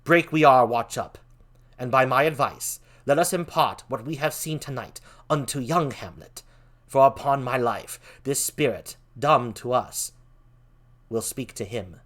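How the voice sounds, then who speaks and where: A grave night watchman from a stage tragedy, played by a man reading aloud. His voice sits at a middle pitch, and he declaims earnestly in a theatrical Shakespearean manner. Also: unhurried, fairly bright tone, natural voice.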